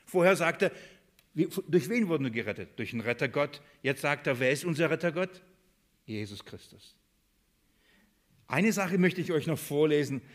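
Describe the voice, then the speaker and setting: A man preaching a sermon to a congregation. He reads scripture aloud, slows down to stress key words and asks the room rhetorical questions. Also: a little high.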